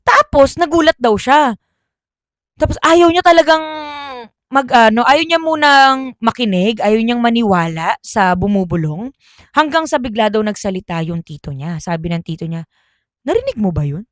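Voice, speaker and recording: A woman with a fairly high, very animated voice tells a spooky tale in a loose, chatty way. She drops to a hush for the eerie bits and breaks into laughter often. The recording is dry and close. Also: moderate pace, dry recording. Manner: chatty, drops into hushed tones for spooky parts. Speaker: podcast storyteller. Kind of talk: casual storytelling of a ghost tale.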